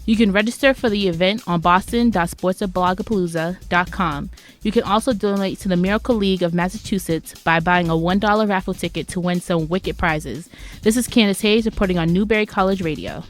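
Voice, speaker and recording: A woman's voice: on the low side, fairly quick, soft background music. A woman reading scripted news and announcements as a college radio reporter.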